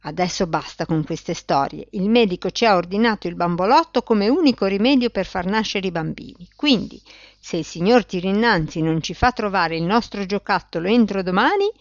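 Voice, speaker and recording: A woman's voice: medium pitch, animated, normal speed, no echo, lo-fi sound, close to an everyday voice. A woman reading aloud, voicing a stern, commanding, elegant man.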